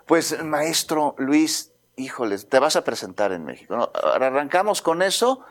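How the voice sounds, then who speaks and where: A man's voice: a little high, very animated, moderate pace. A man hosting an interview, asking questions in an enthusiastic, admiring way. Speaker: interview host. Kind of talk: radio-style interview.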